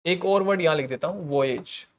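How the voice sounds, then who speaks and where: A man teaching exam vocabulary in a Hindi-English mix, explaining slowly, repeating words and checking in with "okay" as he goes. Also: a little high. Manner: clears throat often.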